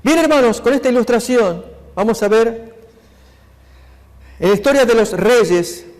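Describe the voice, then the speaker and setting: A man's voice: very high-pitched, expressive, a little slow, darkish tone. A man pastor preaching a sermon over slides, earnestly addressing his congregation. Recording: long hall reverb.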